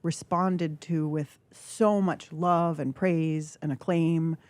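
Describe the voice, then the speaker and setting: Low, mellow-voiced woman, reflective. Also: fairly even intonation, no room sound. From California. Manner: reflective, halting, with filler words. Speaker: guest author. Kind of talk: candid radio interview. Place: radio studio. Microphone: studio microphone.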